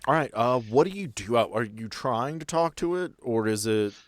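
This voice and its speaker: A man's voice: medium pitch, animated, normal speed, slight background noise. A man narrating a tabletop horror game as game master, describing scenes in a casual, conversational way.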